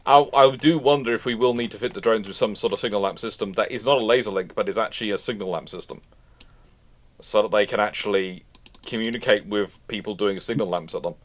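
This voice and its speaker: Fast and fairly low-pitched, this British man from the United Kingdom hosts a live question-and-answer stream. His expert commentary is informal and opinionated, drifting discursively and circling back to points he's already made.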